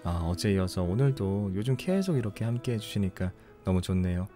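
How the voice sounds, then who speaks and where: Here's a tired young guy from Ulsan, South Korea, running a book-reading livestream, his voice mellow and lowish yet animated. His late-night chat over listener comments is soft, easygoing and unhurried, full of apologies and thanks, with faint guitar behind.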